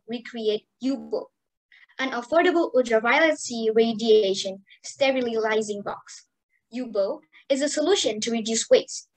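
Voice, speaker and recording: High-voiced Indonesian teenage girl presenting. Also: rough recording. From Surabaya, Indonesia. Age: 13 years old, young teenager. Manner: formal, careful non-native English. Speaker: student presenter. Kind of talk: rehearsed formal presentation.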